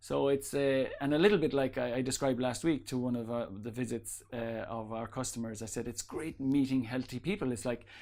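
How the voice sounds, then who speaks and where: In a very clean recording with a silent background, a man with an Irish accent talks at a fairly quick pace and a medium pitch, with ordinary pitch variation and hardly any pauses. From Ireland. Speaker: software company founder and CEO. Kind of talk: interview. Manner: halting, with many fillers and restarts.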